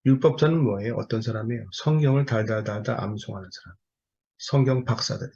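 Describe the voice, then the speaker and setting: Husky-voiced man preaching a sermon. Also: medium pitch, fast, warm tone, lo-fi sound. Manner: emphatic rhetorical questions to the congregation.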